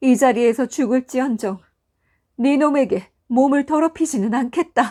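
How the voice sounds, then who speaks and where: A woman with a high pitch and a dark, mellow tone talks at a very slow pace with ordinary pitch variation. The recording is very clean with a silent background and a dry, close sound with no echo. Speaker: storyteller who records audiobook-style folk tales. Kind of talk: sleep story narration.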